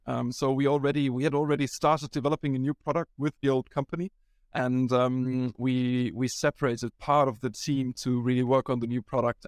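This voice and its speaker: A man's voice: medium pitch, a little mellow, no echo, clean studio sound. A man from Germany, a startup founder, talking casually in an interview and often restarting his sentences with "um". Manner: rambling, frequent restarts and ums.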